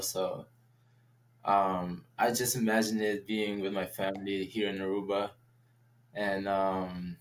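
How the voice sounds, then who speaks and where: A young man answering interview questions casually as a guest athlete, hesitant and speaking in simple short phrases. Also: on the low side. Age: young adult. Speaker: college baseball player, interview guest.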